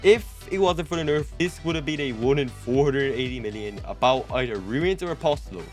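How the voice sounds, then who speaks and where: A man's voice: medium pitch, animated, fairly quick. A young adult man giving casual gameplay commentary to camera as the host of a gaming video. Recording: music behind the voice.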